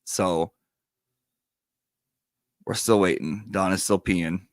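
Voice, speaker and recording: A man's voice: deep voice, steady tone, slow pace, no echo, studio quality. A man with whistling s sounds, chatting casually as a livestream host and reading out viewer messages.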